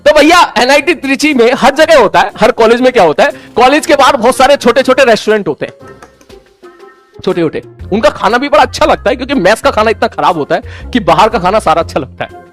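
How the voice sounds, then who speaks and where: A man with a high voice tells a personal anecdote the way a teacher talks to his students. He is animated and slips into the voices of the people in the story, with faint music playing underneath. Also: fast. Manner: animated, acts out quoted dialogue; frequent 'bhai sahab' asides.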